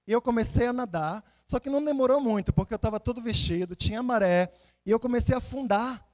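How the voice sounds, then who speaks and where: A male preacher with a notably high-pitched voice. He delivers a conversational sermon like a storyteller, repeating phrases for emphasis and putting rhetorical questions to his listeners. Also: quick pace, darkish tone. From Salvador, Bahia, Brazil. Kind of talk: conversational sermon with personal anecdotes and scripture readings.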